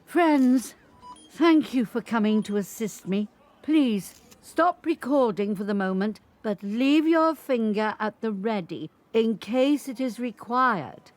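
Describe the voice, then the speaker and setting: An older woman voicing a proud, defiant eighteen-year-old trans woman in a clear, firm, declamatory dramatic monologue. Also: fairly high pitch, lively intonation, slow pace, a little mellow, voice pushed up. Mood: composed, commanding. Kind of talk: dramatic monologue, quoted speech.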